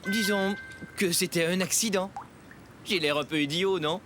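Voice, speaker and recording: A man playing a patient, good-natured young father in a dubbed children's cartoon, expressive and gently instructive. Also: high-pitched, normal speed, noisy background, lightly acted. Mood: good-humored.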